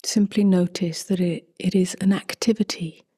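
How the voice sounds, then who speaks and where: A woman leading a guided meditation in a soft, breathy half-whisper, with calm, gently spaced phrases. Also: on the low side, normal speed, no echo, clean studio sound. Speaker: meditation teacher.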